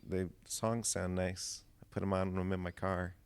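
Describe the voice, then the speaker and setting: A man's voice: low-pitched, flat delivery, moderate pace, clear, resonant tone. An American man chatting casually as a podcast guest, with a dry, wry, self-deprecating way of talking. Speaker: podcast guest, amateur actor. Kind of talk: casual chat.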